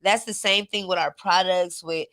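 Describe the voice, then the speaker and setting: A woman's voice: on the low side, steady tone, moderate pace, a bit bright, no room sound. A woman co-hosting a casual podcast, chatting freely and backing her guest up with emphatic agreement. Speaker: podcast co-host.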